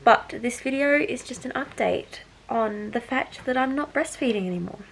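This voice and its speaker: A woman's voice: a little high, moderate pace, creaky, slight background noise, poor audio. A tired, nasal-sounding young woman, chatting to camera and rambling as she corrects herself. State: tired and nasal with hay fever. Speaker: vlogger. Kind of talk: casual chat to camera.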